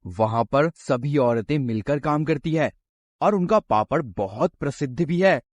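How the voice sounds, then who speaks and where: A man's voice: medium pitch, animated, unhurried, no echo, natural voice. A man voicing a sensible farmer husband in a cartoon story who warns and lectures his wife. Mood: warning. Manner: lecturing, cautioning.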